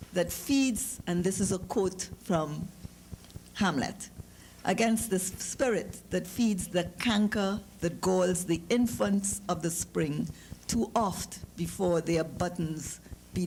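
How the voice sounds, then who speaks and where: A middle-aged woman with a Trinidadian accent reads a literary story to an audience, with informal asides and measured, deliberate phrasing. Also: fairly low pitch, vocal fry, a little mellow, low-quality recording. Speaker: author giving a public reading. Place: live lecture event. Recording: noticeable background noise, clicks.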